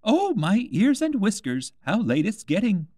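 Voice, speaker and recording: A man's voice: high-pitched, wildly swooping pitch, a little slow, warm tone, no echo, clean studio sound, voice pushed up, exaggerated voice. A man voicing an anxious, flustered white rabbit in a storybook reading. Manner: flustered exclaiming.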